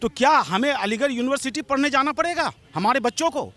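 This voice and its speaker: A man's voice: very high voice, expressive, quick pace, bright, forceful tone. A man giving an impassioned, argumentative street interview, pressing his demands and repeatedly calling the interviewer madam. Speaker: local political supporter interviewed.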